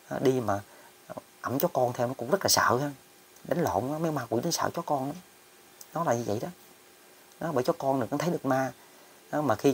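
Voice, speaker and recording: A man's voice: on the low side, a little hiss or hum. A middle-aged man, talking casually as a feng shui and astrology teacher, rambling and repeating words with many fillers. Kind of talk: casual spoken teaching talk.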